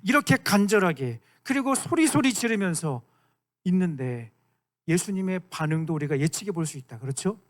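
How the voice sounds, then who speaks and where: A man in his thirties, a youth pastor giving a lively sermon to high school students and often asking them to agree. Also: normal speed. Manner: animated, keeps asking the room for agreement; acts out quoted lines in dramatic voices.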